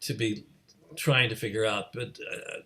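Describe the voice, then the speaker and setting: A man's voice: fairly low pitch, fairly even intonation, unhurried, pushed and bright. Man moderating, hesitant and self-deprecating. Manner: hesitant, self-deprecating, repeats words while thinking aloud. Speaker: host moderating a panel discussion. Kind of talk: informal interview conversation.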